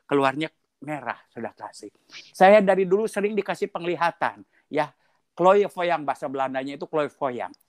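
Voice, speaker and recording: A middle-aged man telling his conversion story in an animated, storytelling way, slipping into English now and then. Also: medium pitch, dry recording, studio quality. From Indonesia (Sundanese). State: coughing. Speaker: testimony guest. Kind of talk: personal testimony.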